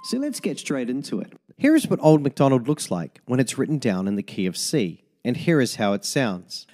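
A man narrating a tin whistle lesson as a voice-over, giving slow, methodical step-by-step fingering instructions. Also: medium pitch, sing-song, a little mellow. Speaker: music teacher.

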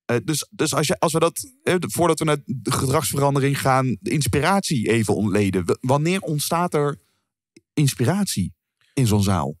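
A man's voice: mid-range voice, expressive, normal speed, no echo, clean studio sound. Dutch man, chatty podcast host. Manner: chatty, loose questions with fillers. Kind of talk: casual podcast interview.

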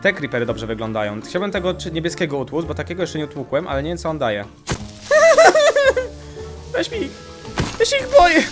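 A young man hosting a gaming channel, giving casual let's-play commentary and jumping into high yelps whenever he gets startled. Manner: excitable, jumps to high-pitched yelps when startled. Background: game music.

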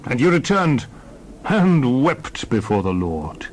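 A man's voice: medium pitch, sing-song, slow pace, a little hiss or hum. A man playing a solemn prophet addressing his people, grave and oratorical, in a dramatized scripture reading. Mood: solemn, admonishing.

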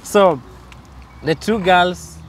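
A man's voice: sits high, drawn-out words, crowd noise. A young man with a Kenyan accent hosting a casual vlog, repeating his phrases as he chats to camera. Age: young adult. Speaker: vlog host. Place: outdoors on a waterside walkway. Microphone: phone at arm's length.

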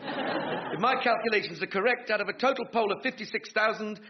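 Man acting a pompous high-pitched English dreamer. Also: a little fast, close to an everyday voice. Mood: confident scheming. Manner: pompous, mock-oratorical, colloquial. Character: pompous, deluded British man dreaming of political glory. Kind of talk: radio sitcom acting before a live audience. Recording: dull, noisy radio sitcom recording with clicks.

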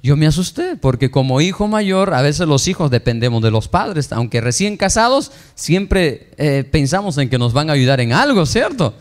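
A man's voice: a little high, sing-song, normal speed, few pauses. A man preaching as a pastor, telling his personal testimony to the congregation with emotion, acting out the dialogue he recounts. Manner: emotional storytelling, acts out quoted dialogue, addresses congregation as brothers. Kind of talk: sermon testimony.

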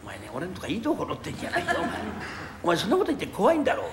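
Man doing an impatient master, lively and high, scolding his staff, rakugo piece. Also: rapid-fire, creaky, heavily acted. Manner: scolding, teasing. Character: fussy impatient male master of a house. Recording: echoey TV hall with noise.

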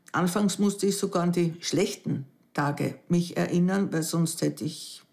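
A woman's voice: fairly low pitch, vocal fry. A woman in her fifties, a widow, speaking hesitantly and reflectively in an interview at home. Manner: hesitant, reflective, softening into near whispers. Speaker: dating show candidate. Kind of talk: emotional interview. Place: living room at home.

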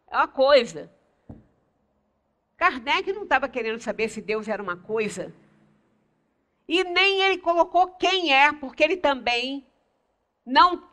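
An older woman with a Brazilian Portuguese accent, a lecturer at a spiritist center, leads a religious study talk in a high, bright voice. She explains patiently, stressing single key words and leaving long pauses. She's recorded in a small indoor meeting room.

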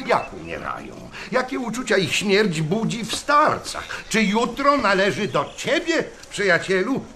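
Casting: theatrical schoolmaster, high voice, slow deliberate pace, pedantic radio-play manner. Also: male voice, huge pitch swings, pushed and bright, a little hiss or hum, heavily acted. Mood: insistent. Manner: theatrical, questioning classroom delivery. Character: agitated schoolteacher, Mr Laurent, pedantic and darkly cheerful. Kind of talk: radio drama acting.

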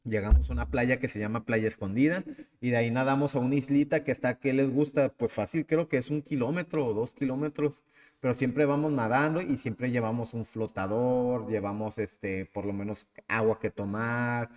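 A man in his thirties with a Mexican accent, hosting a podcast and telling a personal story in a lively, casual way. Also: medium pitch, moderate pace, long reverb tail. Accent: Mexican Spanish. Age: 30s. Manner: animated, acts out the people in his story. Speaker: podcast host.

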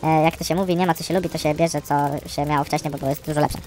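A man giving casual, chatty gameplay commentary as a streamer, grumbling along and breaking into frustrated yells. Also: fairly high pitch, flat delivery, very fast, slight background noise. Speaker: gaming streamer.

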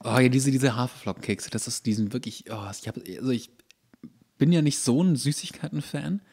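Male podcast co-host, average pitch, colloquial, teasing, loose comedic chat. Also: brisk, vocal fry, darkish tone, breathy edge.

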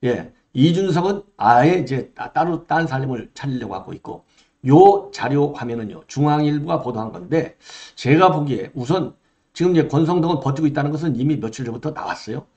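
A man's voice: medium pitch, expressive, brisk, darkish tone. An older man hosting solo political commentary, emphatic, with rhetorical questions and frequent filler affirmations. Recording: dull lo-fi sound.

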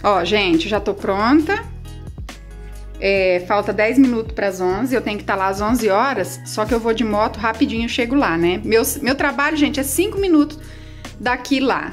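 A woman in her thirties from Brazil, filming a casual home vlog on a handheld phone and chatting warmly with her viewers, full of diminutives. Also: a little high. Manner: chatty and affectionate, many diminutives, baby talk to her pets. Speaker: vlogger. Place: small house, indoors and on the porch.

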